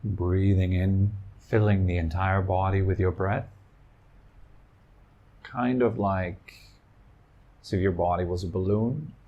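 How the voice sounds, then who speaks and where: A man guiding a meditation as a teacher, giving gentle instructions in short, soothing phrases with long pauses. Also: low voice, steady tone, narrow, tinny audio.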